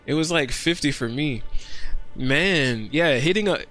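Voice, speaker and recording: Male game streamer: casual, rambling livestream chat, bright and lively tone. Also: on the high side, a little slow, faint music behind. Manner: chatty and easygoing, rambling asides.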